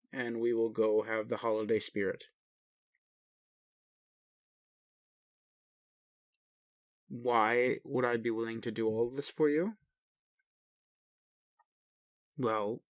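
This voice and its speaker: A man playing a gentle, doting blue-skinned alien caretaker in a roleplay audio, rambling playfully and speaking tenderly to the listener. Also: medium pitch, natural voice. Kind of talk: soft roleplay monologue to a listener.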